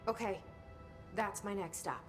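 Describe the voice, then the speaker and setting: A woman's voice: mid-range voice, measured pace, over music, close to an everyday voice. An actress playing a reserved, determined young woman in a video game cutscene, serious and guarded in her speech. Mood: focused.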